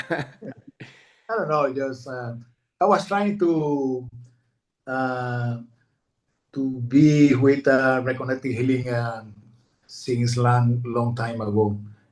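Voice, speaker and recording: With audible room echo, a man talks very slowly at medium pitch, leaving long, frequent pauses, his pitch varying in an ordinary way. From Honduras. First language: Spanish. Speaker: participant in a healing session group. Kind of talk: casual chat. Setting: video call. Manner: halting.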